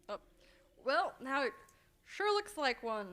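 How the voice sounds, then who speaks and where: A woman plays a folksy small-town villager in a radio mystery. The voice is high and very animated, with hesitant, dramatic delivery. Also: takes it slowly, heavily acted. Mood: puzzled, indignant. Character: startled small-town New England villager, plain-spoken woman. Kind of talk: old-time radio drama acting.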